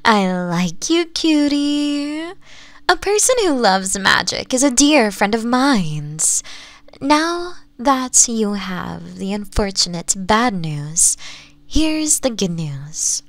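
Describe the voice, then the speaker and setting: Actress as possessive fox woman for ASMR roleplay: slow, coaxing, teasing, whispery at times, very dry close sound. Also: fairly high pitch, very animated, no room sound, exaggerated voice. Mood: affectionate, welcoming. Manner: soft, coaxing, slips into breathy whispers. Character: possessive, flirtatious nine-tailed fox woman, sweetly teasing.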